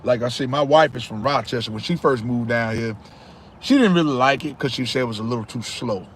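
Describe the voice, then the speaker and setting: A man's voice: mid-range voice, a little fast, slight background noise. Laid-back chatty man in his thirties. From Charlotte, North Carolina. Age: 30s. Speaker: livestream host. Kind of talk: casual live chat reading comments.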